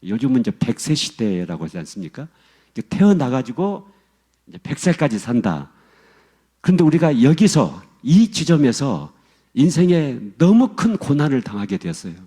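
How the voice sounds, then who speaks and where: A man's voice: medium pitch, big pitch swings, normal speed, dark tone, breathy edge. A male pastor preaching a sermon, telling a story with emphasis and speaking directly to the congregation.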